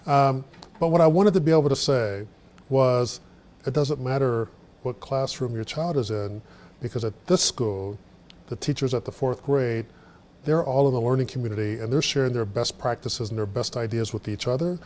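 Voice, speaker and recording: A middle-aged man leading a workshop in a meeting room, telling stories in a lively, conversational way. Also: medium pitch, normal speed, a little hiss or hum. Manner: animated storyteller, gestures widely. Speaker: workshop presenter. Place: meeting room with projector screen.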